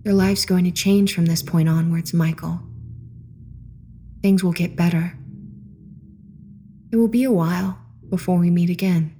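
A man voicing a mysterious, seductive woman who speaks slowly and softly with calm authority. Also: high voice, voice pushed up. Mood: soothing. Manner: slow, soft, coaxing delivery.

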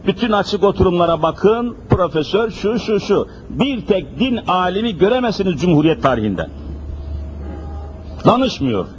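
A man's voice: high voice, very animated, normal speed. A man preaching an emphatic sermon at a pulpit microphone, pressing rhetorical questions and repeating phrases insistently. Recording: dull lo-fi recording with faint noise.

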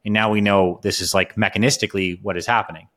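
Low-voiced American male podcast host. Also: steady tone, quick pace, fairly bright tone. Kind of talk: conversational interview.

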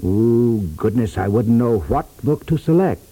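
An actor playing a courteous, solemn child psychologist with a deliberate professional manner in a 1950s radio comedy. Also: male voice, mid-range voice, expressive, mellow, slightly rough, poor audio. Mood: kindly, coaxing. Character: earnest, solemn bachelor child psychologist, polite and intrigued.

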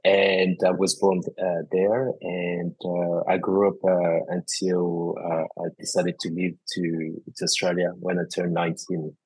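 A man from France, a cooking school founder, telling his story as a podcast guest, halting with many fillers and restarts. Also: low-pitched, monotone, a little mellow, husky, dry recording, low-quality recording. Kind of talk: casual interview storytelling.

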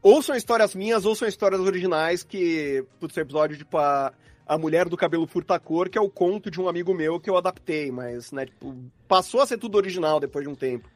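Casting: male Brazilian podcast guest, high-pitched and quick, casual talk, dry recording with light music behind. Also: dry recording. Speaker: podcast guest, audio drama producer. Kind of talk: casual conversation.

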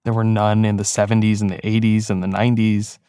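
A man's voice: lowish voice, level tone, brisk, warm tone, clean tone, dry recording, studio quality. A man, a podcast producer, narrating a story in a casual, reflective way with frequent fillers.

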